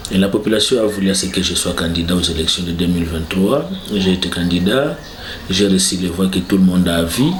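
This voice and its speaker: A man from South Kivu, Congo, with a Congolese French accent, speaking as a politician answering interview questions in a formal, measured way. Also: deep voice. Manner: formal, measured self-presentation. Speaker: politician, guest. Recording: echoey room with faint noise.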